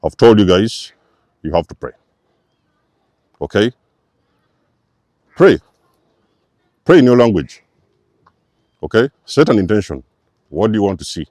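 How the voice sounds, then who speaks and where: A man's voice: fairly low pitch, sing-song, unhurried, pauses often, darkish tone, no echo, clean studio sound. A man hosting a spiritual channel, giving an emphatic, repetitive preacher-like talk to his viewers. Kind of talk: spiritual teaching monologue.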